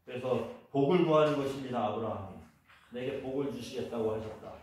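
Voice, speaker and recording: A man preaching a sermon in a church. He tells a personal story and leads the congregation in repeating lines after him. His voice sits at a middle pitch and comes from a little way off the mic, with a heavy echo filling the hall. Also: a little fast, a little mellow, slight background noise. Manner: storytelling, leading the congregation in repetition. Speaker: pastor. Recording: echoey church hall, voice from a distance.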